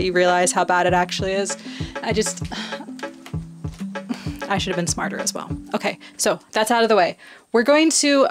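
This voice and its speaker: A young woman in an easygoing, self-mocking vlog voice, laughing at her own clumsy repair work. She talks close into a small clip-on mic. Her pitch sits in the middle, and music plays clearly behind her. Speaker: vlogger. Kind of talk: casual DIY vlog. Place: outdoors in a yard and inside a camper. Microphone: clip-on mic held to the mouth.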